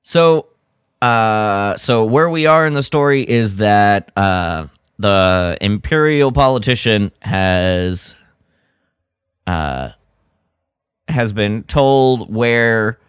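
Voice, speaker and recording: A man's voice: on the low side, clean tone, dry recording, clean studio sound. A man co-hosting a podcast, chatting casually about sci-fi books in a laid-back, jokey way. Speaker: podcast co-host.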